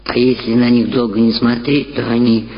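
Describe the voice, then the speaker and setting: A man voicing a laid-back, melancholic young stoner who explains things deadpan in an audiobook. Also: mid-range voice, normal speed, close to an everyday voice. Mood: matter-of-fact. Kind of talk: audiobook character dialogue. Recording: dull sound, long reverb, loud music.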